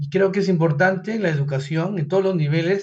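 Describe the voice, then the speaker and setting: Somewhat breathy, a man talks at a moderate pace, his pitch varying an ordinary amount. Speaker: physician, academy member. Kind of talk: audience question at academic talk. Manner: halting, with fillers and restarts.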